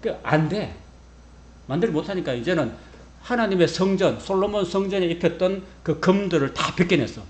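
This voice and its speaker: A male pastor preaching a sermon, telling the story in a lively, humorous way and acting out the quotes. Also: high voice, moderate pace.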